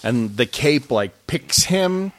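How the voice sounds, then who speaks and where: A man's voice: mid-range voice, big pitch swings, slow pace. A man co-hosting a podcast, chatting in a laid-back, rambling way and laughing often. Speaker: podcast host. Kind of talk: casual chat.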